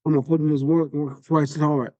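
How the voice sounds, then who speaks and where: A man delivers a motivational podcast talk in a rapid, earnest rush, repeating himself to drive each point home. His words come out slurred from facial palsy, in a somewhat raised but dark, mellow voice. The dry, muffled lo-fi recording has no room sound. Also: on the high side, level tone, dry recording. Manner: earnest, repetitive, encouraging. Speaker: podcast host. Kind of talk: motivational monologue.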